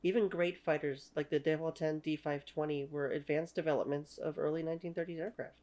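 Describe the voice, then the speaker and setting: A woman's voice: low voice, steady tone, a little fast, dark tone. Canadian woman in her 30s, native French speaker, opinionated history host talking to camera at home. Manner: opinionated, many "you know" fillers. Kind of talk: talking-head history lecture. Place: small room at home.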